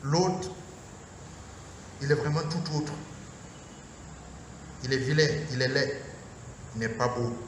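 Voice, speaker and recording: A Catholic priest from Burkina Faso, Mooré-speaking, giving a Lenten lecture in slow, deliberate, emphatic short phrases. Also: male voice, mid-range voice. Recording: echoey hall from far off, faint noise.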